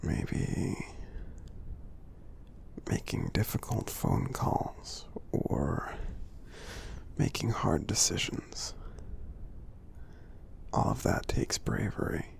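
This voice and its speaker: Man as a friendly giant, very low pitch, breathy near-whisper, tender, halting, encouraging ASMR roleplay. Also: huge pitch swings, exaggerated voice. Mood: earnest, encouraging. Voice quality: soft, breathy, half-whispered, gravelly. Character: gentle friendly male giant, kindly and reassuring.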